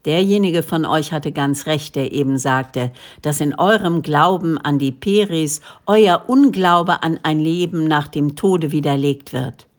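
A woman's voice: low voice, unhurried, hardly any pauses, darkish tone. A woman reading the part of an earnest male prophet who speaks in a solemn, preaching way. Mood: impassioned.

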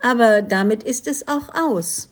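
A woman's voice: on the high side, a little slow, voice pushed up, lightly acted. A woman reading the part of a doubting male villager who reasons in a matter-of-fact way. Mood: reasoning.

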